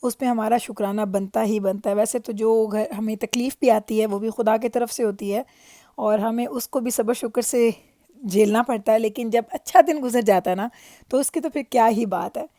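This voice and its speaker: Mellow, high-voiced Pakistani woman vlogger. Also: moderate pace, no echo, studio quality. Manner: conversational, mixes in English phrases. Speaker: family lifestyle vlogger. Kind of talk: chatty, reflective vlog voice-over.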